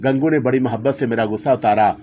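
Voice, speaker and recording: A man's voice: medium pitch, quick pace, mellow, a little hiss or hum. Dramatic male horror storyteller. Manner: dramatic first-person storytelling. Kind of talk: scripted horror story narration.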